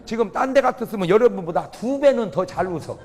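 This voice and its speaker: A man's voice: sits high, animated, fast talker, noisy background. A male pastor giving a humorous revival sermon, firing questions at the congregation and exclaiming. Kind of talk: revival sermon with audience call-and-response. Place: church or large auditorium before a congregation.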